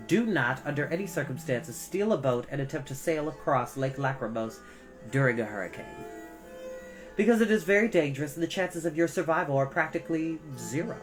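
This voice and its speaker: A woman reading a storybook aloud as a storytime host, with expressive, deliberate emphasis on key words. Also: low-pitched.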